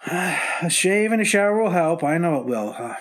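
A man's voice: high-pitched, expressive, measured pace, fairly bright tone. An actor playing a weary husband in his thirties in an old-time radio drama, sighing and downbeat. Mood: tired, downbeat. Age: 30s.

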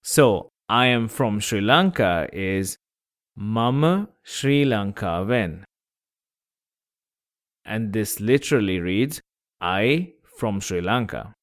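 A man's voice: on the low side, lively intonation, slow. A man teaching a language lesson on a podcast, patiently repeating examples and breaking words into syllables.

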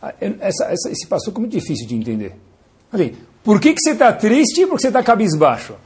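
A man's voice: high-pitched, sing-song, quick pace, darkish tone, breathy edge. A man, a rabbi giving a playful, dramatizing Torah lesson to students and sprinkling in Hebrew terms.

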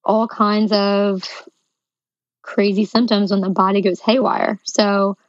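A woman's voice: medium pitch, level tone, slow, dry recording, dull audio. A woman herbalist and triathlon coach explaining things enthusiastically in a podcast interview, with frequent ums.

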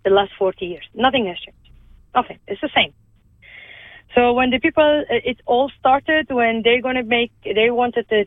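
A woman's voice: a little high, dry recording. Woman over a phone line. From Lebanon. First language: Armenian. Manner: earnest, halting, with many restarts. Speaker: guest. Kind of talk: conversational interview.

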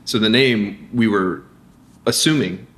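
Here a male company founder talks as an interview guest in a relaxed business conversation. His lowish voice moves at a measured pace, and his energetic delivery is peppered with restarts and fillers.

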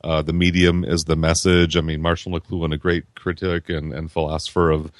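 A man in his fifties with a very low voice rambles through a casual film discussion. He keeps restarting and repeating words as he works toward his point. The sound is dry and close. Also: level tone, a little fast, dry recording. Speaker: podcast guest.

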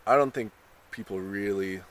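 Young male surfer type, easygoing and chatty; lowish, bright voice over light hiss. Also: normal speed. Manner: laid-back surfer talk, lots of "you know" and "like". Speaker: contestant being interviewed. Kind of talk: casual interview.

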